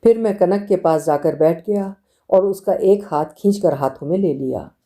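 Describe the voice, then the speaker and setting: A tender young husband speaks in soft, coaxing questions, as a woman narrator puts him on. His voice is low and dark-toned, gentle and pleading. It is heard in a storybook audiobook reading. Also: normal speed, lightly acted. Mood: sorrowful.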